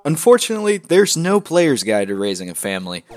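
A man's voice: on the high side, big pitch swings, fairly quick, no echo, clean studio sound, soft background music. A man reading a short promo for another podcast in an upbeat announcer style. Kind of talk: promo voice-over.

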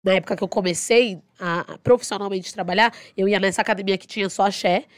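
A young adult woman and podcast guest telling her story in a blunt, animated, outspoken way, swearing freely. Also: mid-range voice, quick pace, no echo, clean studio sound. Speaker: podcast guest, dance teacher. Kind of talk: casual storytelling.

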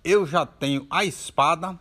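A man voicing an excited little boy who pretends to be King Arthur, speaking eagerly and boldly. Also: fairly high pitch, unhurried. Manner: eager, bold and playful.

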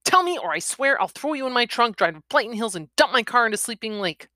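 A woman's voice: medium pitch, lively intonation, measured pace, fairly bright tone, dry recording, studio quality. Woman acting a furious, growling young tough woman. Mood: furious, menacing. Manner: growling, confrontational, accusing. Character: furious, tough, foul-mouthed young woman bully of twenty-five.

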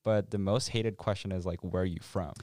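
A young man in his twenties from Korea, co-hosting a podcast and talking things through in a relaxed, reflective way with some hesitations. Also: low-pitched, a little fast, no room sound, clean studio sound. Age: 20s. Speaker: podcast co-host. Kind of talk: casual conversational podcast.

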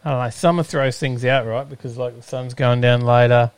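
A man's voice: mid-range voice, steady tone, brisk, smooth, no room sound. An Australian man hosting a live stream in casual, rambling chat, hesitating often as he goes. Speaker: host of a live-streamed show.

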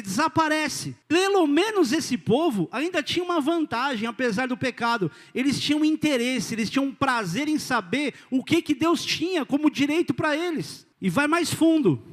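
A man with a Brazilian accent preaching a sermon as pastor, in an informal, direct and animated way that swings between loud and quiet. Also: extremely high pitch. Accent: Brazilian Portuguese. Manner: informal, direct, addresses listeners as "cara" and "querido". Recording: long hall reverb.

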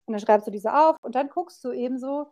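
A woman in her forties from Berlin chats openly as a podcast guest, her voice sitting a little high. She talks loosely and candidly, full of fillers and casual asides. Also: brisk, dark tone. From Berlin, Germany. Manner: chatty and candid, loose and colloquial with frequent fillers. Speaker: guest, occupational therapist.

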